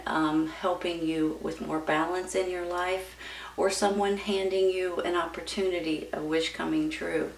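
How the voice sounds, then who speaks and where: A woman's voice: low voice, vocal fry. A woman giving a casual tarot reading to viewers in a folksy, encouraging manner. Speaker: tarot reader. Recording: roomy, distant mic with background noise.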